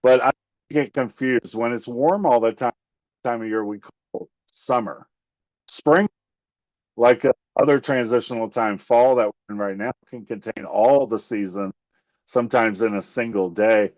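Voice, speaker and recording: A man's voice: medium pitch, a little mellow, dry recording. Man breaking up on a bad call. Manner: halting, with many fillers and restarts. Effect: voice cutting out over a bad call connection. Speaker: seminar presenter. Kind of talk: informal nature talk on a video call. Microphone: Bluetooth earbuds on a video call. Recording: dull, dry, choppy call audio.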